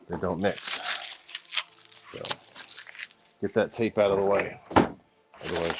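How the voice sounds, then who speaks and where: A hoarse man chatting casually on a live stream while unboxing, rambling with lots of ums and talking to his viewers. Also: sits low, very noisy. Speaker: hobby channel host.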